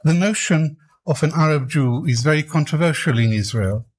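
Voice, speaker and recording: Older man, Iraqi-born author, fairly high voice, slow deliberate phrasing that builds into emphatic lists. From Iraq. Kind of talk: reflective interview answers.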